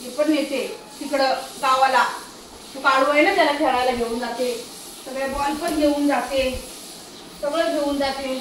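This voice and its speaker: A high-pitched woman, calling out and scolding her dog at home. Her voice rings around an echoey room, with faint noise in the background. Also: fairly even intonation, normal speed. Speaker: pet vlogger. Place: home, indoors.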